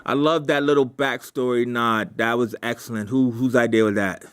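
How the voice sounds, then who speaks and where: A man's voice: mid-range voice, steady tone, normal speed, a bit bright, clean tone. A man leading a group discussion casually, in an informal, jokey way, prodding people with questions. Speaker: workshop leader giving script feedback.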